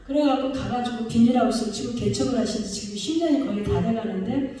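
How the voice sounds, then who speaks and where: A woman's voice: on the high side, fast talker, mellow, distant mic. Woman pastor preaching in an echoey hall. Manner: asks the congregation rhetorical questions. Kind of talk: sermon.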